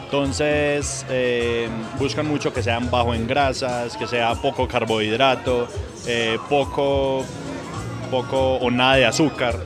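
A man's voice: medium pitch, little pitch movement, slow, crowd noise. Young man, restaurant representative; earnest, hesitant answers over background music. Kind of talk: news interview. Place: outdoor town square event. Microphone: handheld interview mic.

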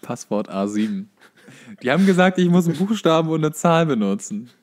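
A man's voice: fairly high pitch, big pitch swings, fairly quick, darkish tone. A male podcast co-host in casual banter, speaking with a jokey, wry manner.

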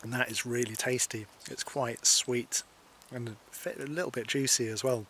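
A man in his forties from Scotland, calmly explaining wild plants as a foraging instructor, speaking to camera outdoors by hedges. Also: medium pitch. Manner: calm, explanatory, unhurried. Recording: faint outdoor noise.

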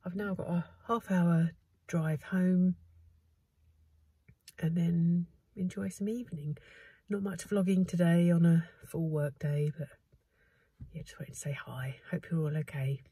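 A woman in her forties with a bunged-up nose, chatting casually and warmly into her phone camera at home and in her car. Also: on the low side, steady tone, measured pace, breathy edge. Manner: chatty, chirpy and warm. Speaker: vlogger. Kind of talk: casual daily vlog chat. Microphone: phone camera at arm's length.

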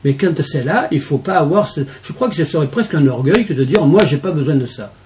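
A man, a deacon, giving an earnest personal testimony in an interview, halting often and restarting his sentences. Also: fairly high pitch, animated, a little mellow, a little hiss or hum.

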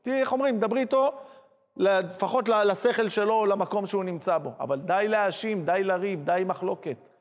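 A man, a rabbi, giving a sermon full of rhetorical questions and lively storytelling. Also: high-pitched, big-room sound.

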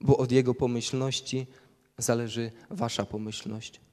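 Polish preacher in a reverberant hall. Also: male voice, medium pitch, little pitch movement, measured pace, mellow. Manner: reads scripture aloud, explains verse by verse. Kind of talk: sermon with Bible readings.

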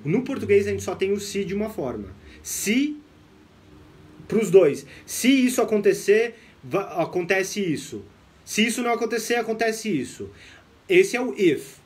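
A young man from Brazil teaching English on a live stream, lively, mixing English phrases into his explanations. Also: high-pitched.

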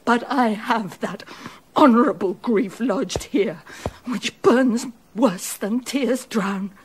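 An actress playing a wronged, dignified queen in a classic verse radio play, with slow, composed grief. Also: on the high side, a little hiss or hum.

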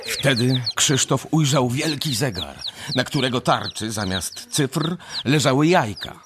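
A man narrating a radio drama as an expressive, scripted storyteller. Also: medium pitch, a little slow, noisy background.

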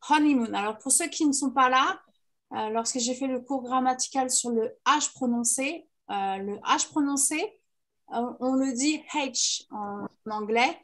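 High-voiced teacher drilling vocabulary. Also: female voice, a little slow, fairly bright tone. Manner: clear, patient drilling of vocabulary. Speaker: English teacher. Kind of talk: online class lesson.

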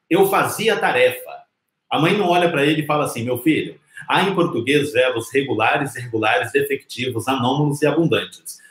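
A man's voice: a little high, a bit bright. A Brazilian man in his forties giving an informal, conversational English lesson on a live stream, explaining didactically with rhetorical questions and example phrases. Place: small indoor room with whiteboard. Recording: roomy, echoing indoor sound.

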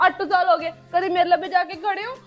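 A woman plays a returning first wife in a Punjabi village drama, speaking in a very high voice. She keeps coming back with reproachful, coaxing questions. Soft music plays faintly underneath. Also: steady tone, quick pace, lo-fi sound.

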